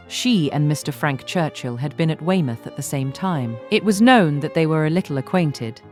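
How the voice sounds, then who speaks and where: A woman reading scripted literary narration as an audiobook narrator in a measured, articulate way. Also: deep voice. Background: soft instrumental music.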